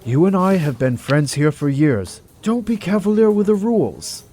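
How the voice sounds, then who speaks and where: A man's voice: sits high, very animated, normal speed, dark tone, a little hiss or hum, pitched above the performer's own voice. A man playing a courteous but stern senior male doctor in an audio drama, with formal diction. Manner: formal, polite, firm. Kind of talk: amateur audio drama acting.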